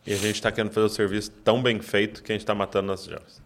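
Quick-talking man in his thirties. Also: on the low side, flat delivery. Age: 30s. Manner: short interjections, quick asides. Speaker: podcast host. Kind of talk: casual podcast conversation.

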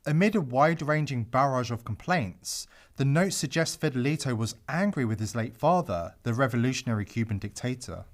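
Male host, scripted commentary read, dramatic with sarcastic asides, animated pitch. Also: fairly quick. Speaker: podcast host.

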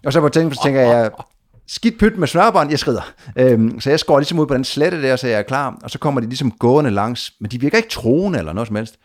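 A man with an ordinary mid-range voice tells a long travel story in casual conversation. He keeps it animated, restarting sentences and doubling up words as the tale rolls on. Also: medium pitch, hardly any pauses. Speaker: guest adventurer telling a trip story.

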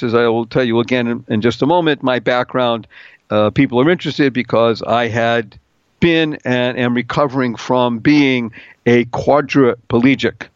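A man's voice: medium pitch, dry recording, lo-fi sound. A middle-aged man hosting a talk radio show, playful and upbeat, spelling out words letter by letter and singing little bits.

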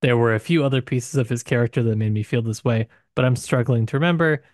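A man with a mid-pitched voice talks through books as a podcast co-host. His delivery is casual and discursive, full of hedges and asides. The recording is dry, with little room sound. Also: quick pace, a little mellow, no echo.

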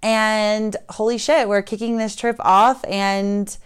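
A woman with a slightly hoarse voice, hosting a casual, informal podcast chat. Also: mid-range voice, flat delivery, takes it slowly. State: slightly hoarse from screaming and talking. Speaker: podcast host.

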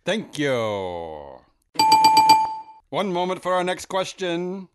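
A man's voice: high voice, huge pitch swings, takes it slowly, very noisy, heavily acted. A man playing a formal conference-call operator, announcing questioners in a stiff, theatrical way. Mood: ceremonious. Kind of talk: theatrical reenactment of an earnings call.

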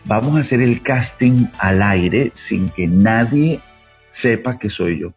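A Colombian man with a husky voice tells his story as an interview guest, pausing with fillers as he goes. His voice comes through a dull, lo-fi line with faint music behind. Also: on the low side, animated, darkish tone.

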